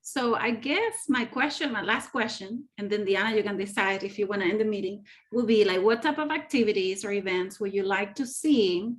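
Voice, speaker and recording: A woman, an advisor for a student association, asking questions in a relaxed meeting on a video call. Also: mid-range voice, moderate pace, hardly any pauses. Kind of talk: casual meeting talk.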